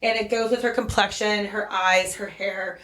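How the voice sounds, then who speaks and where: A woman's voice: medium pitch, steady tone, normal speed, fairly bright tone. A woman from a bridal salon, chatting on a podcast and gushing about wedding dresses. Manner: gushing, enthusiastic. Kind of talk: casual podcast chat.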